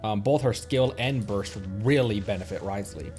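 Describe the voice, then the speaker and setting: A streamer chatting casually over a game, in a playful, excitable manner. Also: mid-range voice, normal speed, soft background music. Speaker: livestreamer. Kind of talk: casual gaming livestream chat.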